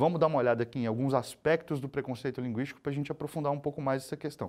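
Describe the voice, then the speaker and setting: A fairly high-pitched man speaks at a very fast pace with ordinary pitch variation. The recording is very clean, with a silent background. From Brazil, Goiás (Goiânia). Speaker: teacher. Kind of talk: lecture. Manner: casual, conversational.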